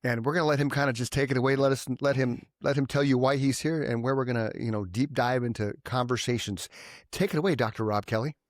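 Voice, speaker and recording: A man's voice: mid-range voice, fairly even intonation, fast talker, dry recording, clean studio sound. A man in his fifties hosting a podcast, upbeat and enthusiastic, chatting casually and swearing now and then. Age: 50s. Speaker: podcast host.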